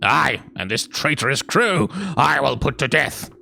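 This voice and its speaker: A man's voice: medium pitch, animated, measured pace, creaky, bright, forceful tone, slight background noise, full character voice. A man playing a pompous, stern old king and father in grand, archaic stage style for a fantasy game. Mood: imperious.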